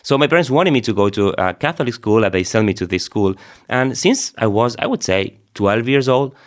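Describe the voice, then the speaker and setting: A middle-aged man with an Argentine accent, a Catholic priest telling his own story in a reflective, halting way as an interview guest. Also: mid-range voice, animated. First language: Spanish.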